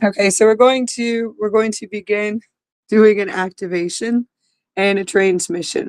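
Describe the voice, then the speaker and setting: Her intonation is fairly even as a woman speaks at a moderate pace and a fairly high pitch. The sound is dry and close, without echo. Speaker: spiritual channeler. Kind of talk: guided spiritual activation talk. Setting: outdoors. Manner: halting, repetitive with fillers.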